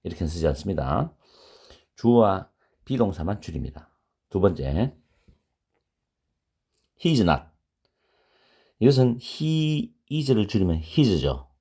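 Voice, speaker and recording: A man teaching beginner English grammar, explaining slowly and repeating example sentences in a lecture style. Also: deep voice, warm tone, husky.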